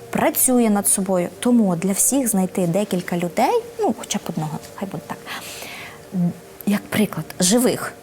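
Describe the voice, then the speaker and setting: A woman giving practical advice as an interview guest, often checking in with a quick "right?". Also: mid-range voice. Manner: lively advice-giving with frequent "да?" check-ins.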